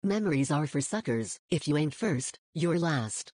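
Low, husky woman heckling snarkily. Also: animated, unhurried, darkish tone, no room sound, clean studio sound. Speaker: sidekick.

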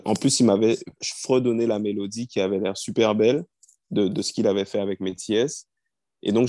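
A man in his thirties, a singer-songwriter, telling how his songs came together in a relaxed interview. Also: on the low side, no room sound, clean studio sound. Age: 30s. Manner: storytelling, easygoing, frequent fillers.

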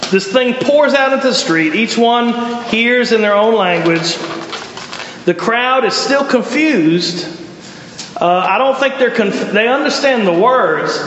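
High-voiced Southern man teaching in echoey hall. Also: a bit bright, a little hiss or hum. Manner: conversational, folksy, asks the class questions. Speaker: Bible study teacher. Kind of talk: informal Bible class teaching. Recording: echoey hall, dull lo-fi sound.

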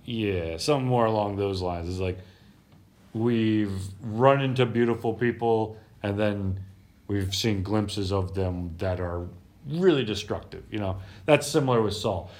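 A man's voice: fairly low pitch, unhurried, a little mellow. A man hosting a casual podcast about the Bible. He talks in a chatty way, laughs easily and stumbles over names while reading. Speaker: podcast host.

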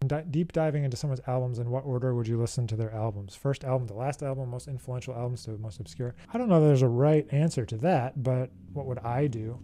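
Laid-back thirties male jazz trombonist, warm dark low-key voice, rambling casual Q&A delivery from home. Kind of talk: casual livestream Q&A. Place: home room.

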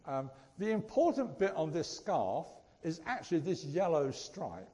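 A Suffolk-accented man with a slightly high, mellow voice preaches an informal teaching sermon, chatting with his listeners and often asking them questions. He addresses a group in a large, echoing hall, and the recording carries that reverb.

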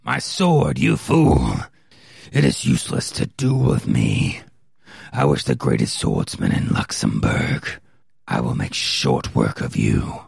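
Boastful vampire baron, super raspy gravel voice, slow n theatrical, threatening everybody. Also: male voice, extremely low pitch, sing-song, darkish tone, no room sound, studio quality, voice pushed down, full character voice. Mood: scornful, gloating. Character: menacing, boastful vampire baron, proud old-world swordsman.

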